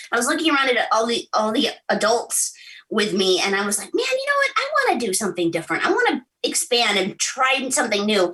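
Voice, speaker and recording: In a General American accent, a woman talks at a fairly quick pace. Her high pitch moves in very wide swings. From United States. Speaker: voice actress. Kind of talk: interview.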